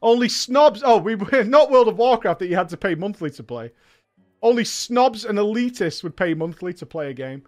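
A man hosting a livestream show who reads viewer letters aloud, talking in a loud, hyped way with swearing and rambling asides. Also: sits high, expressive, normal speed, faint music behind. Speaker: streamer and show host.

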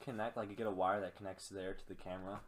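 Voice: low-pitched, steady tone, fast talker, crowd noise. A participant in a casual podcast among friends who rambles and trips over words.

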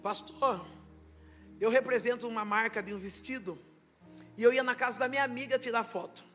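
Brazilian woman pastor, impassioned testimony preacher, sharp bright tone that climbs to shouting. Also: on the high side, fairly quick, faint music behind. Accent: Brazilian Portuguese. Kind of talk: testimony sermon. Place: church service.

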